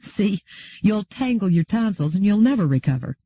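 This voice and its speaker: A man's voice: high voice, sing-song, normal speed, voice pushed up, heavily acted. A man voicing a haughty, curious aristocratic woman from another world in an audiobook, with prim, precise, questioning speech. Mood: teasing, correcting. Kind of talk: audiobook character dialogue. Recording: roomy, dull lo-fi audio.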